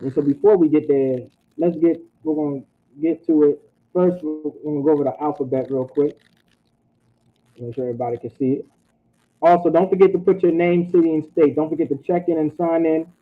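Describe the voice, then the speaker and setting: A man's voice: fairly high pitch, fairly even intonation, fairly quick. Man teaching an online class over tinny audio. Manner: repeats phrases, frequent "all right?" check-ins.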